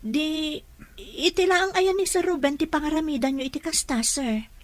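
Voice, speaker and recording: High-voiced dutiful Ilocano woman played by an actress. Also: moderate pace, dry recording, natural voice. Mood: respectful concern.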